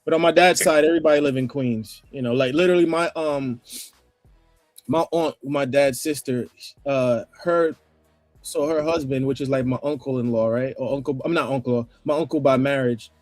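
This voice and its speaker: A man with a New York accent talking casually on a livestream panel, rambling, with restarts and throat clearing. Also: mid-range voice, normal speed, a little mellow, dry recording, faint music behind. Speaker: panel guest.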